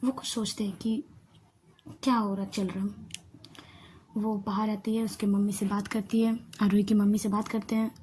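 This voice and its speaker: A woman's voice: mid-range voice, little pitch movement, normal speed, long pauses, a little mellow, a little hiss or hum. Woman narrating a love story in a rambling way. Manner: rambling, self-correcting. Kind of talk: casual spoken storytelling.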